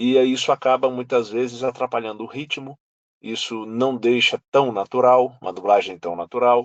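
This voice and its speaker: Over a quiet background, a man with an unremarkable speaking voice talks at a moderate pace with ordinary pitch variation and a dry, close sound with no echo. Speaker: voice actor. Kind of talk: interview answer.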